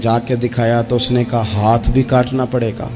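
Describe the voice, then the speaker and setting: Music plays in the background while a man talks. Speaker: Islamic preacher. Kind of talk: Islamic sermon with storytelling. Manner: emotional, passionate.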